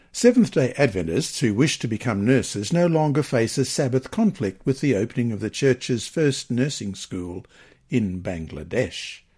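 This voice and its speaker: In a very clean recording with a silent background, a man speaks at a moderate pace with lively intonation. His voice is somewhat breathy, medium in pitch and dark and mellow in tone. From Australia. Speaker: narrator reading a Bible study guide. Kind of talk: reading aloud. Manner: formal.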